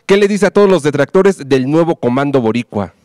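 Male sports reporter, Mexican accent, fairly high crisp voice, relaying interview questions. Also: animated, brisk, a little mellow, dry recording, clean studio sound. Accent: Mexican Spanish.

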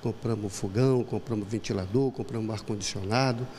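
A man's voice: fairly low pitch, fairly even intonation, fairly quick, mellow, slight background noise. A man representing a company, listing the help given in a TV news interview.

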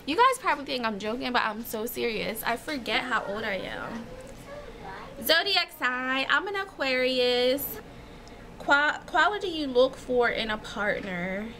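A woman's voice: high voice, expressive, a little slow. A woman in her thirties chatting casually to camera at home, giggling and rambling through a list of personal questions. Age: 30s. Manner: chatty, giggly, lots of fillers. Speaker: vlogger. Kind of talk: casual chat answering tag questions. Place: small home room with shelves.

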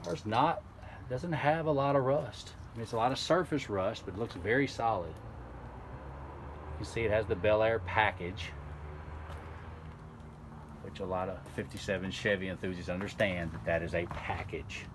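A car video host with a lowish voice casually narrates a walkaround video outdoors beside a house, rambling and restarting as he goes, at a moderate pace and pausing often. He is off screen behind a handheld camera, and clear background noise comes through.

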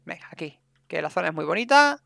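Male streamer, chatty let's play voice with a creaky edge. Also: on the high side, big pitch swings, quick pace, a crowd in the background. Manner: chatty, talks to his game characters. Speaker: gameplay streamer. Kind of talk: casual let's play commentary.

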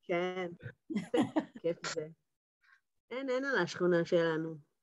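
A woman in her fifties telling neighborhood anecdotes in a lively way on a video call. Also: fairly low pitch, muffled recording. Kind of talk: casual video call chat. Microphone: laptop webcam on a video call.

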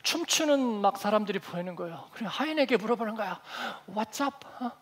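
High-voiced storytelling Korean pastor. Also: male voice, expressive, brisk, a bit bright. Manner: storytelling, acting out the figures of the parable. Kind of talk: sermon. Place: church.

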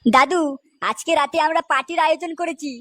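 A woman's voice: very high-pitched, fairly even intonation, brisk, pushed and bright, no echo. A woman voicing a scheming young prankster with fake politeness in a comedy cartoon, slangy and wheedling. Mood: excited.

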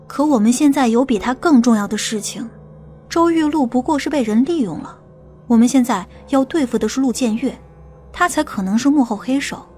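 A woman's voice: sits high, a little fast, dark tone, faint music behind, lightly acted. A woman playing a stern, impatient police detective in an audiobook drama. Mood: heated.

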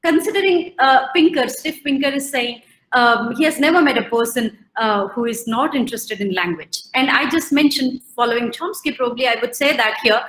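A middle-aged woman from Odisha, whose first language is Odia, gives an online lecture over a video call from an indoor room, speaking Indian-accented English at normal speed with a fairly bright, high-ish voice. She poses questions to the class with many fillers and restarts, and the low-quality audio sounds roomy.

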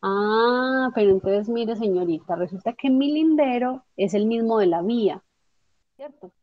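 A woman teaching a software tutorial step by step, patiently checking that her student follows along. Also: a little high, a little slow. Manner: patient, explanatory, checks understanding with tag questions. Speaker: instructor. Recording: dull lo-fi dry audio.

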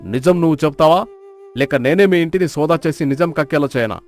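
Man as a stern, raised-pitch village authority. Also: fairly quick, lightly acted. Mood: stern, threatening. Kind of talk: dramatized moral story acting. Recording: flute music behind the voice.

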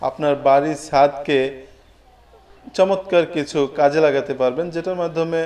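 A young adult man from Bangladesh, speaking with a Bangladeshi accent, hosts an explainer video on business ideas and addresses the viewer directly. His voice sits on the high side, a little mellow, at a moderate pace, picked up by a distant mic.

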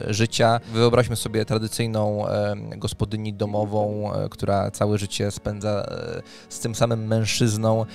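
A man in his thirties co-hosting a podcast discussion, talking haltingly phrase by phrase into a close studio microphone. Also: medium pitch, gravelly. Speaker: co-host. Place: indoors, small dim home studio. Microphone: close studio microphone on an arm, headset. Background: music.

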